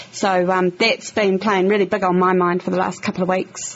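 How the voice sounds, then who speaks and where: Amid noticeable background noise, a woman talks at a moderate pace in a monotone, flat intonation. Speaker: radio host. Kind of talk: radio talk.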